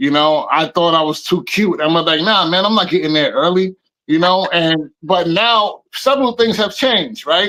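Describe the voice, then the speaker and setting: Against a quiet background, a man with an American accent projects a raised voice at a high pitch, with a bright, sharp tone. His intonation is lively, his loudness very even and his pace moderate. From New York. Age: 50s. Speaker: DJ. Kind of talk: casual chat.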